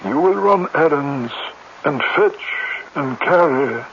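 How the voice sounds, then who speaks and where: An actor playing a stern tribal elder and judge in a radio drama, speaking in a formal, pronouncing manner. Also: male voice, on the high side, expressive, takes it slowly, fairly bright tone, full character voice. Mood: stern, pronouncing judgment. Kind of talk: 1970s radio drama acting. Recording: muffled, noisy old radio recording.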